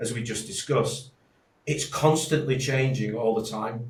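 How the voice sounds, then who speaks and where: A man with a strong Manchester accent, fairly even intonation and audible room echo. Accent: Mancunian, kept strong. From Manchester, northern England. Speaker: advertising agency founder. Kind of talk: podcast interview. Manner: fast.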